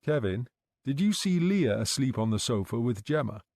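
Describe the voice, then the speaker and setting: A calm male detective, read by a man, asking careful questions in a gentle, measured way. His mellow voice moves in lively rises and falls. Recorded close and dry. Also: medium pitch, dry recording.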